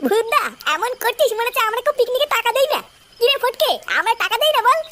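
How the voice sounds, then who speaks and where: A woman's voice: very high voice, quick pace, a bit bright. A woman voicing a cheeky, boastful, foul-mouthed young village lad in a comedy cartoon. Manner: brash, slangy, swearing.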